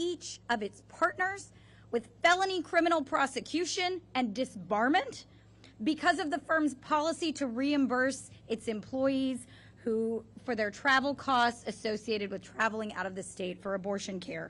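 A woman talks at a moderate pace in a high voice. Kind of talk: press conference speech. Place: street. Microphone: podium.

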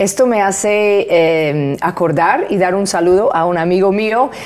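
Spoken in an English accent, the voice moves at a fairly slow pace with lively intonation. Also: woman. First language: English (speaking Spanish). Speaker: talk show host, lawyer and politician; talk-show host. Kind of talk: interview. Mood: warm, friendly. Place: studio. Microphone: lapel.

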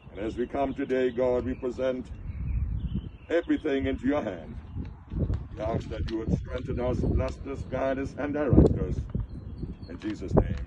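Amid loud background noise, a man speaks with ordinary pitch variation and long, frequent pauses. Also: moderate pace. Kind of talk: prayer. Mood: solemn, reverent. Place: open country. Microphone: camera far.

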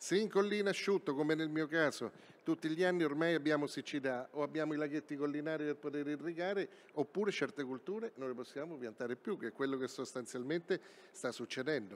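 Very fast speech from a man, pitched fairly high. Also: ordinary pitch variation. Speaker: agricultural insurance association director; speaker. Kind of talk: conference speech. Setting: stage with audience. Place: hall. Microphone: podium.

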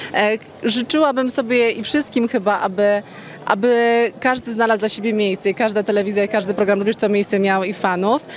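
A woman speaks at a fairly quick pace in a fairly high voice with fairly even intonation. The sound is dry with no echo, with light background noise. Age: 20s. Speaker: TV presenter; television presenter. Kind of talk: interview. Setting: outdoors at racetrack event. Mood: warm, reflective. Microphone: handheld.

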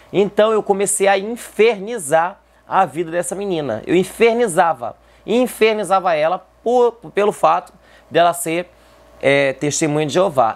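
A man with lively intonation. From Brazil. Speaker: Umbanda priest and video creator; Umbanda priest, video creator. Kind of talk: personal storytelling monologue. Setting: home video set with ring light. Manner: casual, talkative.

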